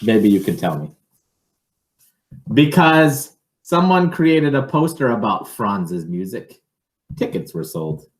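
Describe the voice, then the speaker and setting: A roomy, echoing recording of a man reading a children's picture book aloud. He takes it very slowly in a fairly low voice, expressive and measured, with informal asides to young listeners.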